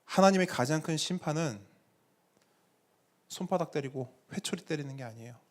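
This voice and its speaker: Male pastor, middle-aged, lively sermon delivery, slightly raised pitch, dramatic pauses. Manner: animated preaching with dramatic pauses and acted quotes.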